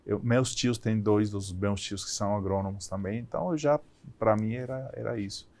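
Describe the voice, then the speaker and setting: Low-voiced man in interview. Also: moderate pace, darkish tone. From Colombia. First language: Spanish. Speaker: company CEO, interview guest. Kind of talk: conversational interview storytelling.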